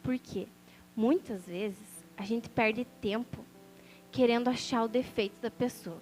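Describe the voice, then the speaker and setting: A woman's voice: fairly high pitch, unhurried, a little mellow, faint music behind. A woman sharing a personal testimony as a sermon, telling the story with animation and acting out the voices of people she quotes. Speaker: preacher.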